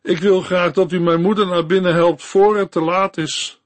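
A man's voice: high-pitched, fairly even intonation, normal speed, no room sound, pitched above the performer's own voice, lightly acted. A man voicing a poorly dressed young girl who urgently begs a minister to come with her. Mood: pleading. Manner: begging, urgent. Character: poor pleading young girl.

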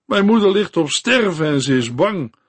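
A man's voice: sits high, very animated, normal speed, slightly rough, dry recording, voice pushed up, full character voice. A man voicing a poorly dressed young girl who urgently begs a minister to come with her. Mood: pleading. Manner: begging, urgent. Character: poor pleading young girl.

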